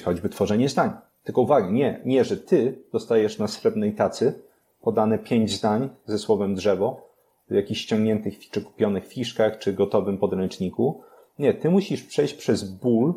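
A young man, a podcast guest, explaining learning methods step by step, pausing on fillers and restarting his phrases. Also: lowish voice, dark tone.

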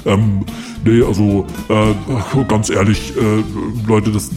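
A man's voice: fairly low pitch, little pitch movement. A man playing a self-important God in a comedy podcast sketch, solemn but easily flustered and offended, with music behind him. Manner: grandly drawn-out when solemn, stammering when challenged.

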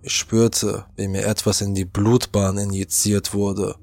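Slow gravelly man telling a horror story. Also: fairly low pitch, little pitch movement. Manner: tense, acts out shouted lines. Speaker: narrator. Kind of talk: first-person horror story narration.

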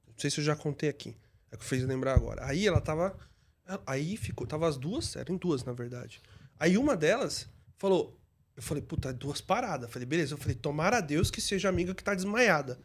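High, lively man telling stories. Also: a little fast, breathy edge. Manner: animated storyteller, acts out voices and laughs often. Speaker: podcast host and app driver. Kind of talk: casual podcast chat.

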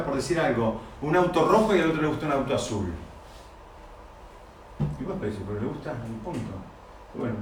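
A man teaching a Torah class, explaining step by step and asking his listeners rhetorical questions. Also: a little high. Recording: very echoey room, distant mic, faint noise.

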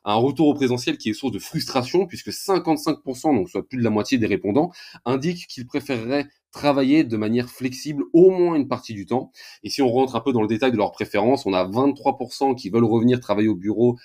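Measured male radio host. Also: medium pitch, dark tone. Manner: measured, reads figures clearly. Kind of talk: radio show presenting.

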